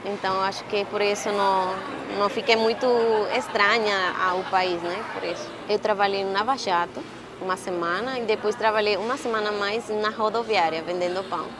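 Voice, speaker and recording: A Venezuelan woman in her twenties with a Venezuelan Spanish accent, speaking Portuguese as a second language and telling her own story with pauses as she searches for words. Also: medium pitch, fairly even intonation, background noise. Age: 20s. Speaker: interviewee. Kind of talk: casual personal account.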